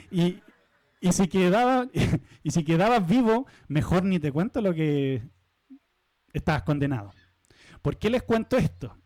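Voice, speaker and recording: High-voiced pastor preaching conversationally. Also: male voice, a little mellow, dry recording. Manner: conversational, asks the congregation questions, light humorous asides. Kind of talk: sermon. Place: church sanctuary.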